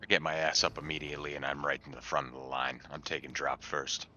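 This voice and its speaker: A man's voice: extremely low pitch, flat delivery, fast, bright, forceful tone, highs cut off, slight background noise. A man taking part in a tabletop roleplaying game, talking casually about his moves.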